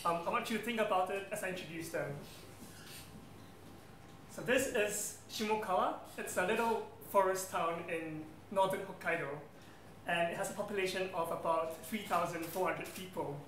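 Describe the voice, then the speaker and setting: Speaking at a normal pace in a high, fairly bright voice, a guest speaker from Singapore addresses an event-room audience. He's in his thirties and sprinkles his talk with ums and friendly asides, while the hall sounds roomy and carries a little faint noise.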